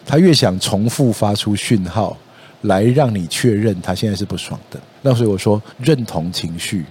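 A man with a Taiwanese Mandarin accent hosting a podcast, talking things through in a casual, lively way, filling his sentences with little fillers. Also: on the low side, normal speed, a little hiss or hum. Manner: lively storytelling, acts out quoted voices, many "哦" and "然后呢" fillers. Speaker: podcast host. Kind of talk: casual explanatory podcast talk.

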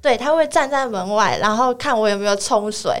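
A woman's voice: fairly high pitch, animated, brisk. A young woman with a Taiwanese Mandarin accent, a podcast guest, plainly and steadily recounting her own life story and often affirming with a repeated yes. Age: young adult. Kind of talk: telling her life story in a casual chat.

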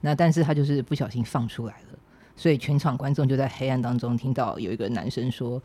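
A woman with a Taiwanese Mandarin accent hosting a podcast, explaining things in an animated, conversational way. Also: rumbling low, fast, breathy edge. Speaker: podcast host. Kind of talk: casual explanatory podcast chat.

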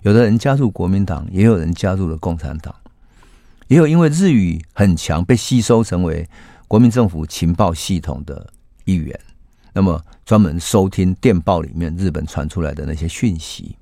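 A man hosting a history podcast, telling a story in a casual narrating voice that rises sharply when he acts out the shouts of the people in it. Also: low-pitched, normal speed, gravelly, no room sound, clean studio sound. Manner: animated when voicing quoted shouts; casual filler particles between phrases. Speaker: host.

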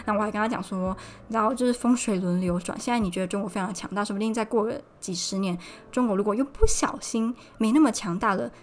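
A young woman from Taiwan hosting a casual solo podcast, chatty and retelling conversations. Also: mid-range voice. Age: young adult. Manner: chatty, recounts dialogue with animated quoted voices. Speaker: podcast host. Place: Poland.

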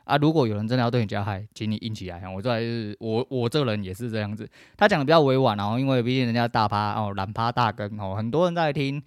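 A man's voice: on the low side, quick pace, hardly any pauses, smooth, no room sound, studio quality. A middle-aged man with a Taiwanese Mandarin accent, hosting a podcast in a blunt, profane, emphatic casual rant. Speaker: podcast host.

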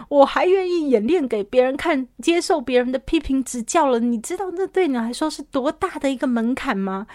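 A woman podcast host and counselor, telling a personal story in an animated way, often laughing and moving between soft and loud. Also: high voice, no echo, clean studio sound.

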